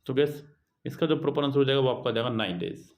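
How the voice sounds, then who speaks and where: A male teacher with a mid-pitched voice works through exam questions for his students. He reads each question aloud slowly, then explains the answer in a conversational tone and keeps calling out to the class. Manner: keeps addressing students as "guys" and "children". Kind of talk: exam prep lesson, reading questions aloud.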